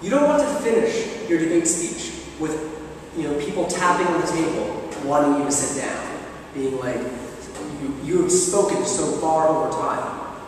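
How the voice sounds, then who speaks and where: High-pitched male speech with lively intonation, strong room echo and light background noise. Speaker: debate coach. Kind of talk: lecture. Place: classroom. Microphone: camera far.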